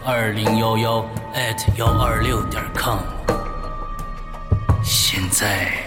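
A man's voice: fairly low pitch, fairly even intonation, slow pace. A man reading a scripted promo as a dramatic announcer. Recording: echoey, loud music bed. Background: loud music.

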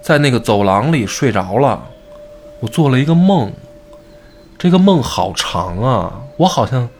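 A man's voice: mid-range voice, big pitch swings, unhurried, darkish tone, slight background noise. A man voicing a confused young husband rambling about a long dream, in a comic storytelling. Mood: bewildered.

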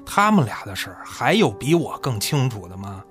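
A man's voice: mid-range voice, very animated, moderate pace, soft background music, natural voice. An actor playing a sly, fawning older village man in a Chinese radio drama, placating and protesting.

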